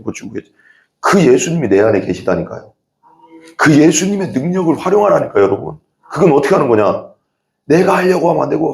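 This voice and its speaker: Animated pastor with a gravelly voice. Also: male voice, medium pitch, reverberant. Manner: animated, acts out quoted prayers and voices. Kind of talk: sermon. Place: church sanctuary.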